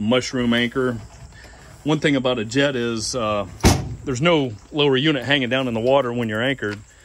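The delivery comes at a fairly quick pace with fairly even intonation. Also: man. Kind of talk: casual walk-around review. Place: garage. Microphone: phone near.

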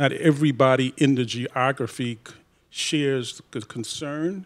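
A man with a New York accent and ordinary pitch variation, against a quiet background. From Brooklyn, New York. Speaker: community development organization head; panelist. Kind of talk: panel discussion. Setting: stage with audience. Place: hall. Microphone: handheld.

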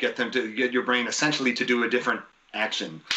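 The man's voice sits at a medium pitch. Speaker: professional brass musician and band director; guest. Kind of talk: interview. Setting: live video stream. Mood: calm, explanatory. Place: home room. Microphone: video call.

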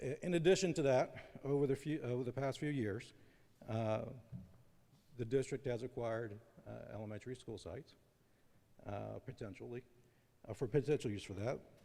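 A man talks at a fairly quick pace in a dark, mellow tone, at a medium pitch. His pitch varies in an ordinary way, broken by long, frequent pauses. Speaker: community committee member presenting to school board. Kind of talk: committee presentation at public meeting. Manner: mumbling; hesitant, many fillers. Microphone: too quiet, far from mic early on.

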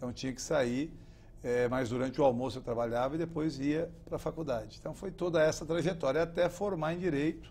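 An ordinary speaking voice from a man, fairly high in pitch, fairly quick, with ordinary pitch variation. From Brazil, São Paulo state interior (Santa Fé do Sul); São Paulo state, Brazil. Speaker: state legislator; politician guest. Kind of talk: interview. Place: studio. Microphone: lapel.

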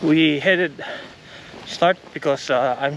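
A man's voice comes through noticeable background noise. The sound is dry with no echo. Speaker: hiker vlogger. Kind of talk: casual vlog chat. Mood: a bit nervous, quiet. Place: open country.

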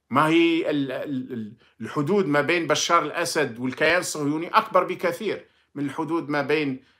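A man's bright, sharp tone at a fairly slow pace, in a quiet background. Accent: Algerian. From Algeria. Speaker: political commentator, former diplomat; political commentator. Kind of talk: political monologue. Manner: animated. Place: home room. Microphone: phone near.

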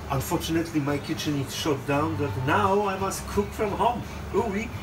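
Music plays in the background as a man talks at a fairly slow pace. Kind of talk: cooking tutorial chat. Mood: cheerful, upbeat. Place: kitchen. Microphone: phone near.

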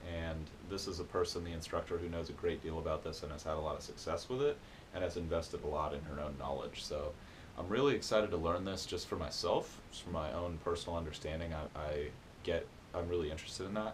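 Over noticeable background noise, a man with a very deep, low voice speaks at a very fast pace. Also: ordinary pitch variation. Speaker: music vlogger and guitarist. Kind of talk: casual vlog monologue. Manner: upbeat, enthusiastic. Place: home room. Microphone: camera far.

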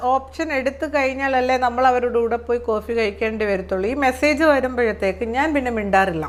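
A woman speaks in a high voice at a very even loudness, her pitch moving up and down in an ordinary way. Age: 30s. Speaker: model. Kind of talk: interview.

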